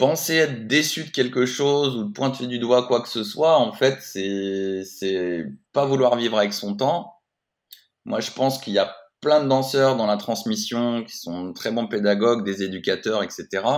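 A man's medium-pitched, an unremarkable speaking voice, with ordinary pitch variation and a fairly slow pace. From Lyon region, France. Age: 30s. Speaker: hip-hop festival organizer. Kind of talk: casual interview.

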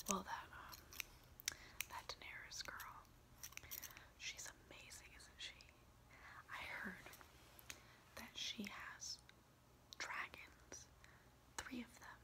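A woman whispers in a soft-spoken voice at a very slow pace, with long, frequent pauses, big swings in loudness and noticeable background noise. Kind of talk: playful roleplay chat. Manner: soft ASMR whisper, close to camera. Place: home room. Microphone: webcam.

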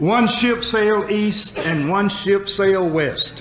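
Lively intonation marks this man's speech, heard with audible room echo and light background noise. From US South. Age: 80s. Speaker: former coach and guest speaker. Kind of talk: humorous welcome speech. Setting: stage with audience. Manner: jokey, animated. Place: hall. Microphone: podium.

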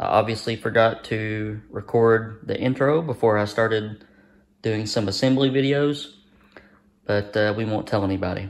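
A man talks at a moderate pace in a rural Kentucky accent. His intonation stays fairly even. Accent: Kentucky rural Southern. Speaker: engine builder. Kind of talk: how-to narration over workshop footage. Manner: casual, halting with fillers. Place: workshop. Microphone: phone near.

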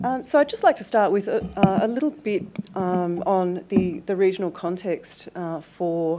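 A woman speaks at a moderate pace. Light background noise can be heard. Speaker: presenter. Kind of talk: briefing presentation. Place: hall. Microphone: podium.

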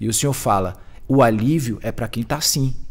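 Somewhat breathy, a man's voice moves along at a fairly quick pace. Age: 40s. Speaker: pastor; pastor, podcast guest or host. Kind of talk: casual chat. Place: studio. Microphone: studio mic.

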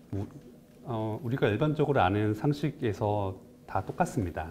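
A man talks at a moderate pace in a dark, mellow tone. His voice is somewhat breathy, with light background noise. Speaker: real estate researcher. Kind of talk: expert interview on housing market. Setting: live stream. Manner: formal, explanatory. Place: studio. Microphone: studio mic.

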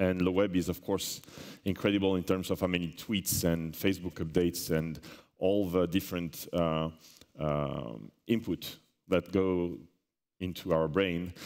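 In a quiet background, a man talks at a fairly slow pace with a very deep, low pitch. His intonation is fairly even, broken by long, frequent pauses. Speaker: conference host. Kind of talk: stage introduction talk. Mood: friendly, amused. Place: stage. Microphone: headset.

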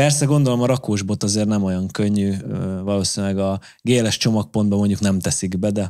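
The man's tone is dark and mellow. He speaks at a fairly quick pace. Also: fairly low pitch for a man, ordinary pitch variation, quiet background. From Hungary. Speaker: podcast host. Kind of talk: casual chat. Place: studio. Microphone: studio mic.

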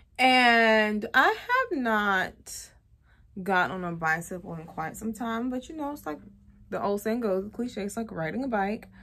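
With a Southern US accent, a woman speaks at a fairly high pitch, her intonation lively and her tone animated. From US South. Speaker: beauty vlogger. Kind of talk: casual chat. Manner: chatty, animated. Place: home room. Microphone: phone near.

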